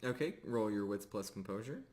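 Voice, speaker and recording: A man working as game master, narrating a tabletop roleplaying game in a halting, measured way. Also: fairly low pitch, a little mellow, a little hiss or hum.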